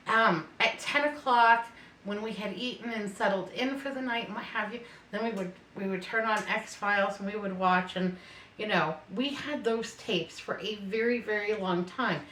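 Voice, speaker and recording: A woman's voice: mid-range voice, a bit bright. A middle-aged or older woman chatting casually and folksily to viewers as she bakes at home, rambling through anecdotes and repeating herself. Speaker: home baking video host. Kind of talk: casual rambling chat to viewers while cooking. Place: indoors, home kitchen. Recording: echoey room, distant mic, faint noise.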